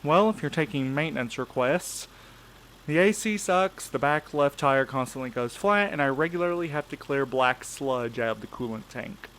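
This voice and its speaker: A man's voice: mid-range voice, moderate pace, a bit bright, a little hiss or hum, natural voice. A man acting in an audio drama as a jaded, laid-back night courier with a casual, sarcastic way of talking. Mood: grumbling, wry. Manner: casual, wry. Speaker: voice actor in a fiction podcast.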